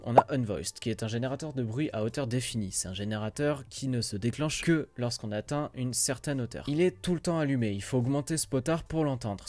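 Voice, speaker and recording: A man hosting a casual software tutorial, explaining in an informal way with self-deprecating asides. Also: mid-range voice, no room sound. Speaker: tutorial host.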